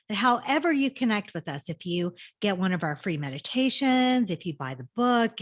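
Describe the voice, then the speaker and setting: A woman hosting her own podcast, upbeat and enthusiastic, sometimes stumbling over her words as she interviews a guest. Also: mid-range voice. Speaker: podcast host.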